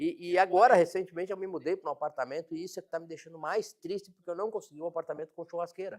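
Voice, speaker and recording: Speaking in a São Paulo accent, a man uses a high pitch with ordinary pitch variation. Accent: São Paulo (paulista) accent, still noticeable. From Brazil, São Paulo. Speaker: advertising sales professional. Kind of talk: interview. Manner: halting, many repetitions and fillers.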